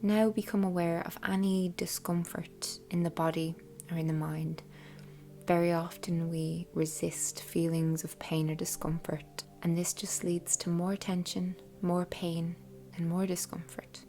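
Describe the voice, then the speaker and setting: Soft, low, breathy woman guiding meditation. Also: little pitch movement, a little hiss or hum. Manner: soft, breathy, half-whispered, unhurried delivery. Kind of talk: guided meditation, soothing scripted narration. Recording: soft music bed behind voice. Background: quiet background music.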